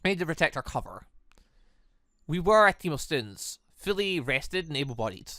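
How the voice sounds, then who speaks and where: Guy reading as young villain sidekick girl in a visual novel, cheeky but wary, higher voice. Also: very animated, moderate pace, sharp tone, dry recording, clean studio sound. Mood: defensive. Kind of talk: reading visual novel game dialogue in character.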